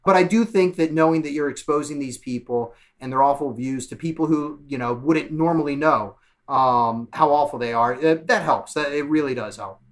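A man's voice: fairly high pitch, moderate pace. A man appearing as a guest on a podcast, talking casually and rambling with many fillers. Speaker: guest, media researcher. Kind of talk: casual interview chat.

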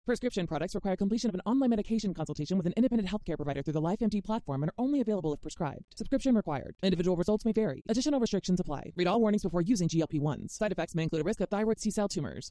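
A man rattles through scripted fine print at extreme speed. His voice is high and slightly mellow, recorded very dry. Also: expressive, racing, few pauses, no room sound. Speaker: advert disclaimer reader. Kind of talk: rapid legal disclaimer read.

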